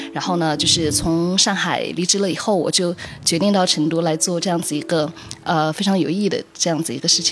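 Fairly low-pitched woman's voice at a fairly quick pace, ordinary pitch variation, music in the background. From China, Guizhou. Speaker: startup founder. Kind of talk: interview. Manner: halting, many fillers.

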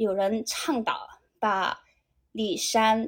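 Heard on a very clean recording with a silent background, a woman speaks with a slight Guizhou accent. Her voice is fairly high and somewhat breathy. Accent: slight Guizhou accent in Mandarin. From Guizhou, China. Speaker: recent PhD graduate in psychology. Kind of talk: casual chat. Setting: recorded at a friend's home.

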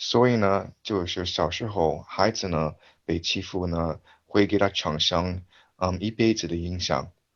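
A man talks in a very deep, low voice. His pace is fairly slow. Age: 40s. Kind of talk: personal reflection monologue. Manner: halting with many filler sounds.

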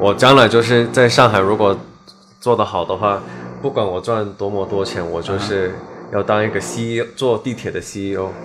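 Music plays in the background as a man with a fairly low pitch talks. His intonation is fairly even and his pace moderate. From South Korea, partly raised in Beijing. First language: Korean (speaking Chinese). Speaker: freelance designer and marketing consultant. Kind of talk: casual chat.

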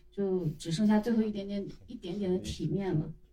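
In an unremarkable speaking voice, a woman talks at a fairly slow pace with a medium pitch. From Hubei. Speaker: film viewer. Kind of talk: casual chat.

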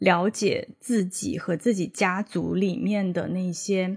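On a very clean recording with a silent background and a dry, close sound with no echo, a woman speaks very slowly at medium pitch, somewhat breathy. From Guangdong, Shenzhen. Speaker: podcast co-host. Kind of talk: casual chat.

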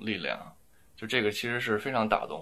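Pitched fairly low, a man talks in an unremarkable speaking voice. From Beijing. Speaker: documentary director and PhD student. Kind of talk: casual chat.

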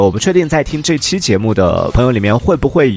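Fairly quick, lively intonation from a man amid noticeable background noise. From Yunnan, China. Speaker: podcast co-host. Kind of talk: casual chat.

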